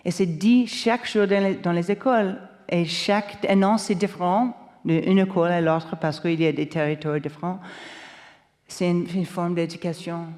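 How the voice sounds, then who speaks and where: A journalist from Canada speaking on a panel, halting and searching for words with many restarts. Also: female voice, lowish voice, fairly even intonation, darkish tone. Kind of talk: round-table remarks. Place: lecture hall. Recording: long hall reverb.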